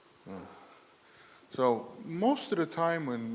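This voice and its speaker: A man with a Chicago accent at a moderate pace, with audible room echo. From Chicago, US Midwest. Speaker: software consultant and conference speaker. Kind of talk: lightning talk at a conference. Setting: stage with audience.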